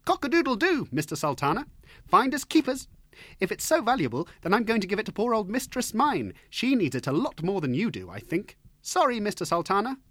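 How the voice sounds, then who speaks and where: A cheeky, fearless little rooster, with a high, bouncing voice. He teases with cocky glee, close and dry. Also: big pitch swings, fairly quick, a bit bright, dry recording, heavily acted. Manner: cocky and teasing.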